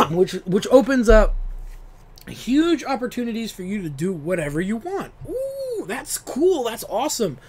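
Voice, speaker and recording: Rambling, swearing man with a higher voice. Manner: rambling, profane, restarts often. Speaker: video game talk show host. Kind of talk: casual monologue.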